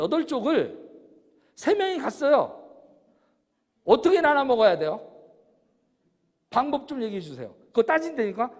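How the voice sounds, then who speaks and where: A man giving an animated lecture, firing off rhetorical questions and acting out examples. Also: very high voice. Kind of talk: lecture on personality types. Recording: long hall reverb.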